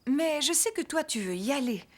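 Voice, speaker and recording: A woman playing a kind, patient, playful mother in a French children's cartoon, talking gently in a sing-song way to children. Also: high-pitched, animated, normal speed, a little hiss or hum. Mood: gentle concern.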